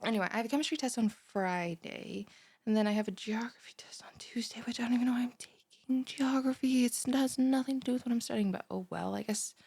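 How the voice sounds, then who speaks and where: A woman's voice: on the high side, quick pace, a little mellow, no echo. A young woman playing a scatterbrained, chatty, bubbly student in a one-sided audio roleplay, rambling like a valley girl straight at the listener. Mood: rambling, breezy. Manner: rambling valley-girl chatter full of "like", sighs and breathy asides. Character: chatty, scatterbrained, over-caffeinated bimbo female college student, bubbly and blunt.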